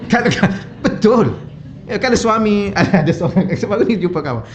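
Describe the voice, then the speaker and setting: Through a wireless microphone, a religious teacher with a Malaysian Malay accent gives a humorous, conversational mosque lecture full of stories in a mosque hall. His high voice has lively intonation at a moderate pace, captured in slightly dull, lo-fi sound.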